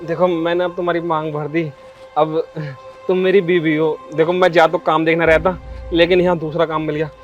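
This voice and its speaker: A man playing a village husband in a comedy sketch, speaking, pleading and excitable, often rising to shouts. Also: on the high side, normal speed, lo-fi sound, soft background music. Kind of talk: rural comedy sketch acting.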